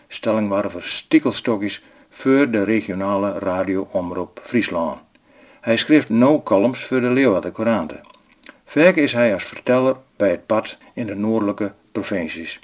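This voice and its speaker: A man presenting a radio segment, reading a scripted introduction in a plain way. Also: fairly low pitch.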